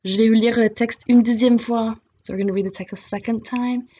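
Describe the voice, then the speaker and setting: A woman's voice: on the high side, steady tone, normal speed, warm tone, husky. A woman giving a casual French listening lesson, mixing English explanations with French and reading a book passage aloud. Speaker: French teacher.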